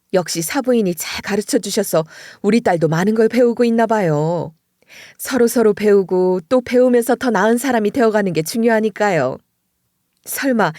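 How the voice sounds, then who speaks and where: A woman's voice: mid-range voice, no room sound, clean studio sound, close to an everyday voice. A woman voicing a cheeky, unflappable middle-aged mother who teases with sly composure. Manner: sly, deadpan teasing.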